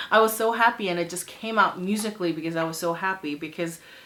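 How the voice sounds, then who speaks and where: Amid noticeable background noise, a woman with an American accent speaks at a medium pitch and moderate pace, with ordinary pitch variation. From United States. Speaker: violinist. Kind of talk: personal vlog. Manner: emotional, halting.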